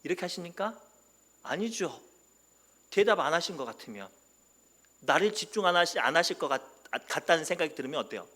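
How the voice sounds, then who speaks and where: A male pastor delivering an animated sermon that swings from quiet asides to loud, fervent exclamations. His voice sits a little high with a bright, forceful edge. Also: brisk, pauses often. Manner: animated, acts out quoted voices and sometimes shouts.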